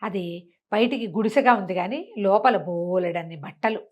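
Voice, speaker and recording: A woman telling a village tale in a conversational way, animated and chatty with explaining asides. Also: mid-range voice, normal speed. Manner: animated retelling, acting out characters' remarks, explaining asides to a co-host. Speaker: storyteller. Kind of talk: conversational oral storytelling of a village folk tale.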